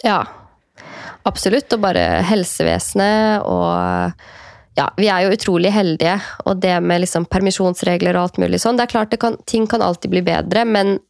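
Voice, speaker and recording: A woman in her thirties with a low voice, chatting in a relaxed, reflective way. Her voice has a gravelly edge. The recording is dry and close. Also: no echo. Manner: reflective, many fillers and quoted inner thoughts. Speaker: guest. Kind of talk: casual conversation.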